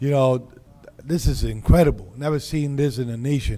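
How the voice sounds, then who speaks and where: A man speaks at a fairly quick pace with ordinary pitch variation. Room echo is audible. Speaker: city councilman. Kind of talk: council meeting speech. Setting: city council chamber. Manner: halting, stumbles over words.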